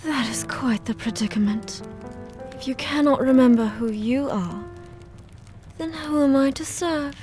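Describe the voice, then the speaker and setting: A woman playing a pale, eerie, courteous maid in an audio drama, with formal, archaic, measured speech. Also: sits high, a little mellow. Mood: coolly questioning. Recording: music behind the voice.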